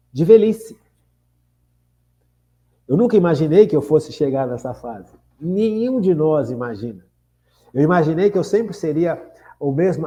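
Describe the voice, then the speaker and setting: Speaking with a Brazilian Portuguese accent, a sixty-something radio host delivers a sincere, reflective spiritual talk in a slightly high, dark voice. He tends to repeat phrases and often asks his listeners questions.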